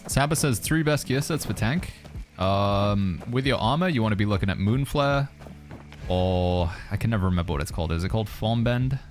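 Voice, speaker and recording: A man streaming a game, reading viewer questions aloud and musing through his answers in a relaxed, casual way. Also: on the low side, normal speed, music in the background. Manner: relaxed, reads viewer questions aloud and muses with hedging asides. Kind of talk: casual livestream chat while playing.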